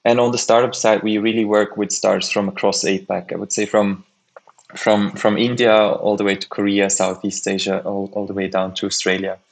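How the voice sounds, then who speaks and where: A man's voice: lowish voice, level tone, moderate pace, creaky. A man from Switzerland who leads a startup incubator, speaking eagerly as a podcast guest and often repeating words as he goes. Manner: eager, repeats words while finding them. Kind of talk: casual interview answers.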